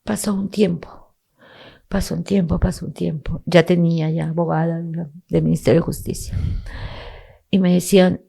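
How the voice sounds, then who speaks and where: Middle-aged peruvian mom telling her story, really gravelly and husky, emotional. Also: lowish voice, little pitch movement, fairly quick, dark tone. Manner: emotional, quotes officials in tense voices. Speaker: grieving mother, guest. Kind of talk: emotional testimony.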